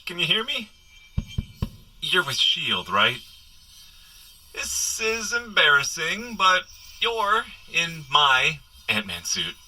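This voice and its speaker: An actor playing a sheepish, wisecracking hungover superhero, chatting and rambling self-deprecatingly in a comedic audio drama. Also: male voice, on the high side, big pitch swings, slow, pauses often, sharp tone, exaggerated voice, low-quality recording.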